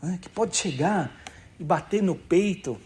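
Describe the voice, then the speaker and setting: A man's voice: high-pitched, a little slow, darkish tone. A man preaching a sermon in church, conversational and emphatic, asking the congregation questions. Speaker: pastor.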